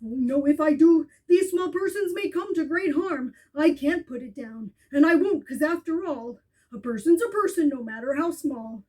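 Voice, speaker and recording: A woman's voice: high voice, lively intonation, moderate pace, a little mellow, poor audio. A woman voicing a kind, loyal male elephant who speaks in an earnest, protective way.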